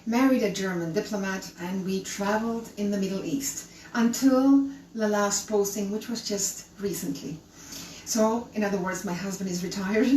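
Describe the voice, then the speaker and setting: A woman's voice: mid-range voice, darkish tone. Chatty woman host, roomy distant sound. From Canada and Chile. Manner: chatty, welcoming, addresses viewers directly. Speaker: cooking show host. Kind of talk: live cooking stream. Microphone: camera held by her son at a distance. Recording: roomy and distant with faint hum.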